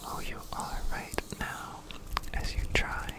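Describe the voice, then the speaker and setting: A man whispering a gentle, earnest ASMR pep talk, offering encouraging affirmations as a creator speaking to viewers. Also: slow pace.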